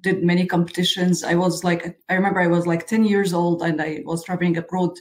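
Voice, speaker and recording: A woman in her thirties from Egypt, a software engineer answering interview questions earnestly, often saying "like". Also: on the low side, level tone, brisk, slight background noise. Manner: frequent "like" fillers, earnest.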